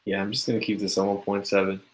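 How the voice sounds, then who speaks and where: A forex trading educator gives a casual live-stream chart analysis, sleepy and yawning, talking loosely with lots of fillers and calling his viewers "guys." His voice sits low and level and moves fast, on a rough recording.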